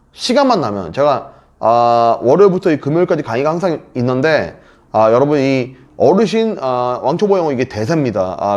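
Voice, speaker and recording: Lively male English teacher. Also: mid-range voice. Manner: lively, repeats words with gestures; slow, drawn-out English model phrases. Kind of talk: beginner English lesson for seniors.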